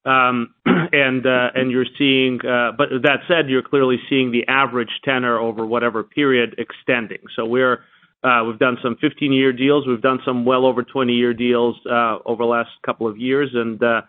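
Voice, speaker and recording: A man answers as an executive on an earnings call, his delivery measured and halting. His pitch stays very even, and the sound is dry and tinny, squeezed through a phone line. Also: no room sound. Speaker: company executive answering analysts.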